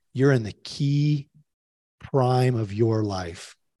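A somewhat breathy man against a quiet background. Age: 40s. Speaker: former military pilot. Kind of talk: interview.

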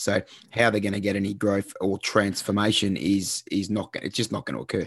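A man speaks with a fairly low pitch in an Australian accent. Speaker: podcast host. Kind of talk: interview. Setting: remote call.

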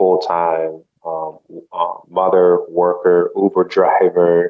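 At a very slow pace, a man speaks with a very deep, low pitch in a monotone, flat intonation. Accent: Haitian. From Florida, Haitian family. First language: Haitian Creole. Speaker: local government official. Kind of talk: podcast interview.

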